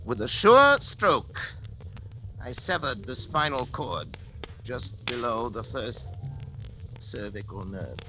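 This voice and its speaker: An actor playing a guilt-ridden scientist father, narrating his crime in grave, measured tones, in a vintage radio drama. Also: medium pitch, sing-song. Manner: hushed, coaxing with his son, then solemn confessional narration. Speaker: doctor and narrator. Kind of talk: 1940s radio drama acting. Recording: old radio broadcast with music bed.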